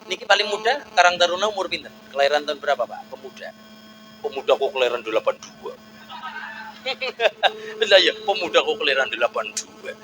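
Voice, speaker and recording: A man with a Javanese accent preaching a lively sermon, jumping to high calls and chanting prayers. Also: brisk, slight background noise, low-quality recording. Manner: animated, swings into high shouts, chanted Arabic prayers.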